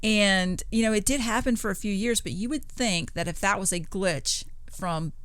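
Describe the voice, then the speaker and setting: A woman co-hosting a podcast, talking casually and informally in an agreeable, measured way. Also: medium pitch, a bit bright, clear, resonant tone, no room sound. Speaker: podcast co-host. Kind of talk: casual conversational storytelling.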